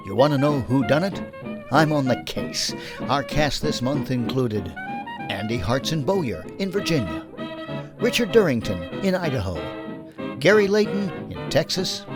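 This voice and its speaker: Casting: male show host, upbeat scripted outro, very lively intonation, clear brass music underneath. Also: mid-range voice. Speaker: host, producer and director.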